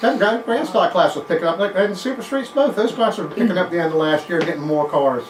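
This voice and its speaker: A man with an American accent, high-pitched and lively in intonation, talking very fast over noticeable background noise. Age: 60s. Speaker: racing guest. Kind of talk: casual chat.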